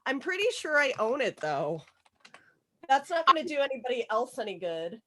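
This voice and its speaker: A woman chatting casually in an excitable, slangy way, swearing freely, on a group call. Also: high-pitched, moderate pace, slight background noise. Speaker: participant in a virtual table read group. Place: remote online video call.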